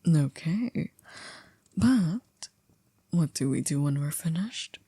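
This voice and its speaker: Woman acting a low, breathy, formal maid. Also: expressive, no room sound, heavily acted. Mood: calm, devoted. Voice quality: breathy, hushed, often near a whisper. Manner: formal, polite, measured, with stiff wording. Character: poised, formal female vampire's maid, coolly controlling and devoted. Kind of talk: ASMR roleplay acting.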